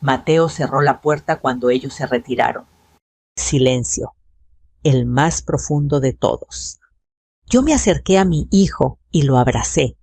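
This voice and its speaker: An older woman narrating a first-person family drama in a steady, dramatic way. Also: rumbling low, a little slow, gravelly, dry recording.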